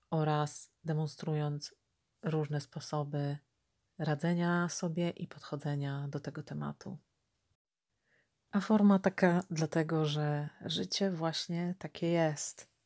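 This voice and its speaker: A woman psychotherapist introducing her channel in a measured, earnest way. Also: sits low, fairly even intonation, darkish tone.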